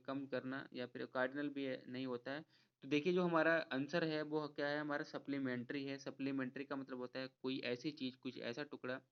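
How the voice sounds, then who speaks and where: A man teaching an exam-prep vocabulary lesson, explaining each word slowly, repeating himself and asking viewers to guess. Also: medium pitch, clear, resonant tone. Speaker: English teacher. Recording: slightly dull lo-fi audio.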